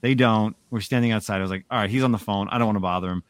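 A man hosting a casual comic book podcast, his voice sitting a little low. He tells stories in an animated way. The sound is dry and close, with no room around it. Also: very fast, no echo. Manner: animated storytelling. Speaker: podcast host. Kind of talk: casual chat.

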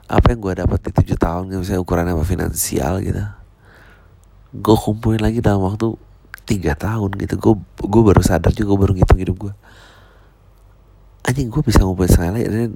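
Dark mellow low voice, guy in his 30s, comedian chatting loose, swears a lot. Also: steady tone, fast, vocal fry, pauses often, husky. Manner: slangy, mixes in English phrases, swears casually. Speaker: stand-up comedian. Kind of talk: casual reflective chat.

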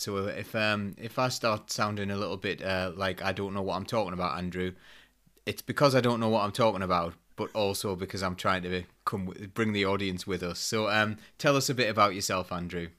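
A man with a fairly low voice hosts a live discussion show. He speaks casually and rambles a little, often playing himself down as he steers the talk. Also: steady tone, brisk, bright, forceful tone. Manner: rambling, self-deprecating. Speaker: host.

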